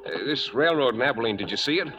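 An actor playing an earnest, plain-spoken young trail boss cowboy in a 1940s radio western. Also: male voice, medium pitch, animated, quick pace, lightly acted. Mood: probing. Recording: muffled vintage radio recording.

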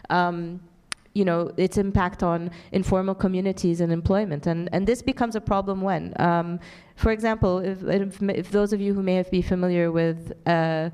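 A woman on a panel explains her work at length, stopping for fillers along the way. Her voice is smooth and resonant. It has a mellow, low-set tone. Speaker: NGO panelist. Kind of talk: panel discussion.

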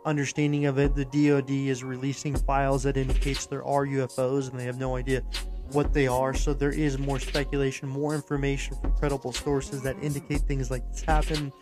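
American male podcast host, mid-pitched, informal and rambling, emphatic commentary over clearly audible music. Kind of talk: casual commentary to listeners.

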